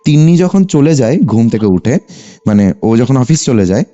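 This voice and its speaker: A man's voice: medium pitch, moderate pace. A young man with a West Bengal Bengali accent tells a personal story conversationally as a caller, often checking that his listener follows. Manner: animated telling, often seeking confirmation with short tags. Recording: muffled lo-fi phone call, music behind. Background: background music.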